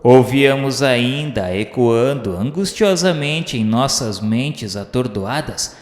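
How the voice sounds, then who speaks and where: Slow, solemn Brazilian man narrating in reverb. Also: mid-range voice, animated. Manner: solemn, literary, theatrical phrasing. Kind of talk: dramatic scripted narration of a radio novel. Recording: echoey, long reverb, music underneath.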